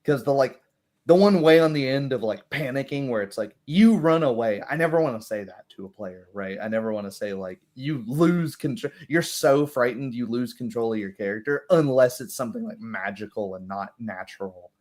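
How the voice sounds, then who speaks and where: A man's voice: mid-range voice, lively intonation, moderate pace, darkish tone. A man chatting casually as a game master, explaining rules and acting out brief examples. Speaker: game master of a tabletop roleplaying game.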